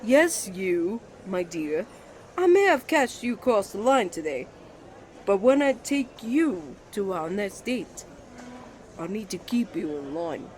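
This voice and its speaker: A man's voice: high-pitched, sing-song, takes it slowly, a little hiss or hum, full character voice, low-quality recording. A man playing a jealous, flustered young student, a protective twin brother with a dramatic manner, in an ASMR romance roleplay. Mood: determined. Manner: indignant, dramatic, stammering when flustered.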